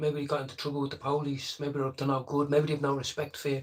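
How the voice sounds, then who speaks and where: With an Irish accent, a man talks fairly quickly at a fairly high pitch, his intonation monotone and flat. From Ireland. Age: 30s. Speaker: livestreamer. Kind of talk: casual chat. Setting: livestream.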